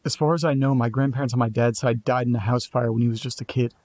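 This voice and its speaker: A man's voice: medium pitch, steady tone, fast talker, a little mellow, no room sound, lightly acted. An actor playing a troubled young man who doubts his father, talking in an insistent, searching way. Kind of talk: audio drama dialogue.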